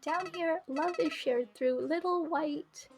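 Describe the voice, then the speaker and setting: A woman's voice: high voice, slow, over music. A woman voicing a talking flower from a visual novel, folksy and sugary with a cruel streak underneath. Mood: sweetly coaxing. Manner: chirpy, coaxing, folksy. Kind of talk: visual novel character read-aloud.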